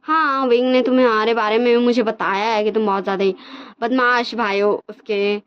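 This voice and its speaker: A woman voicing a calm, gently teasing man, an older brother figure. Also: on the high side, normal speed, clean tone, natural voice. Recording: dull lo-fi recording.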